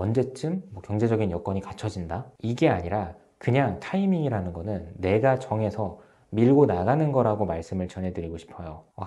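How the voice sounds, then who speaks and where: A man in his thirties talks through relationship advice in a low, mellow voice. He keeps a calm, steady explaining pace and often stops on small filler sounds between phrases. It is the easy, even delivery of a counselor addressing his viewers. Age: 30s. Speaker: relationship counselor and channel host. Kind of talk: advice talk to camera.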